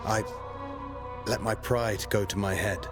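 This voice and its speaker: A man's voice: fairly low pitch, fairly even intonation, takes it slowly. A man playing a cocky, driven young warrior hero in a video game, with a brash, self-assured manner. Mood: reflective. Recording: music behind the voice.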